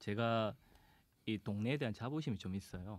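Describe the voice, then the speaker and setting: A man speaks with a fairly low pitch. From South Korea, Gyeongnam (Changwon). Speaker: local politician, party deputy spokesperson. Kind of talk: radio talk show discussion. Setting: radio studio.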